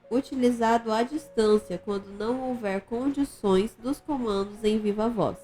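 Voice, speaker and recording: A woman reading an instructional manual aloud in a measured, formal way. She gives extra stress to the command words. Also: medium pitch, a little mellow. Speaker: audiobook narrator.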